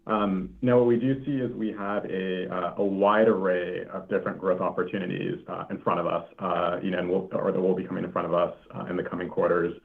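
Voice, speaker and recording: A man with a very low voice full of vocal fry answers as an executive on an earnings call. He speaks haltingly, pausing mid-phrase. The sound is narrow, like a phone line. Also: level tone. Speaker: company executive answering analyst questions.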